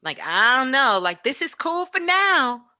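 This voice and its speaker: A woman's voice: high voice, sing-song, unhurried, bright, forceful tone. A woman giving an impassioned spiritual talk as a guest teacher, emphatic and repetitive like a preacher.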